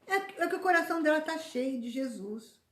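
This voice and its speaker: Woman preacher, lively sermon, acts out whiny voices, room echo. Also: high-pitched, normal speed. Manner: animated, acts out complaining voices. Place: church hall. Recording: echoey church room.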